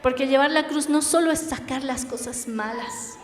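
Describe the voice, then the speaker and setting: A young woman with a Bolivian Spanish accent preaching a sermon in an earnest, emphatic way with dramatic pauses. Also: high-pitched. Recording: echoey hall with faint noise.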